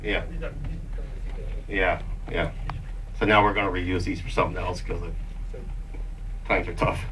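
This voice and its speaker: An older man with a low, flat, sharp-toned voice speaks a little slowly while hosting a staged live demonstration, explaining things informally and off the cuff with jokes. He's using a handheld mic in a conference meeting room with an audience, but the sound comes from a distant camera, so it's noisy and far away.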